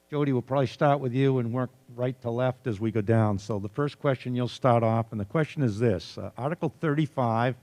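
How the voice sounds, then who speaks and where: A man acting as forum moderator, reading questions out in a measured, neutral, explanatory way. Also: medium pitch, darkish tone. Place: arts center candidate forum.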